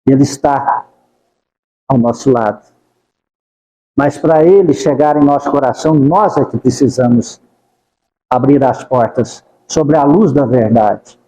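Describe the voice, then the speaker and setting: A man's voice: mid-range voice, unhurried, long pauses, dark tone, roomy sound, big-room sound, rough recording. A man giving a devotional talk at a spiritist center, speaking fervent, pleading prayers and repeating the name of Jesus. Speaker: spiritist lecturer.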